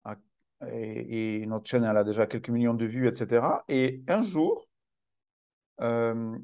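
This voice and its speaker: A man's voice: mid-range voice, darkish tone. Reflective man hosting a chat. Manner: halting, reflective, repeats words as he thinks. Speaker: host. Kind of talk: conversational interview.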